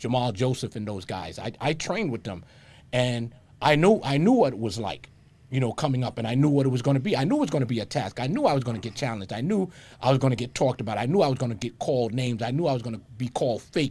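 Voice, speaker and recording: A man's medium-pitched voice, dark and mellow, somewhat breathy, with ordinary pitch variation at a very fast pace over a very clean recording with a silent background. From New York City, Lower East Side of Manhattan. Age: 60s. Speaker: martial arts teacher. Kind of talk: interview.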